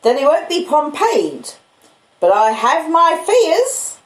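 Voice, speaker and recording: A woman voicing a domineering, sharp-tempered working-class housewife in a storybook, scolding with emphatic sarcasm. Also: high-pitched, sing-song, takes it slowly, roomy sound, voice pushed up, exaggerated voice. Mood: self-important.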